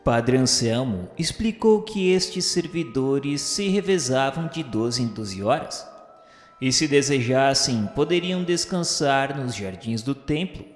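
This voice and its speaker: A man's voice: mid-range voice, lively intonation, slow. A man narrating a radio drama in a formal, literary storytelling manner. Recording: echoey hall with background music.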